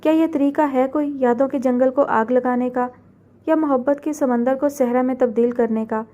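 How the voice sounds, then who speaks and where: A heartbroken young woman, tearful and full of reproach, pleading with the man who left her, as a woman narrator voices her. Her voice sits high and soft, with a mellow, unhurried tone, like a character in a read-aloud romance novel. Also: fairly even intonation, highs cut off, lightly acted. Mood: reproachful.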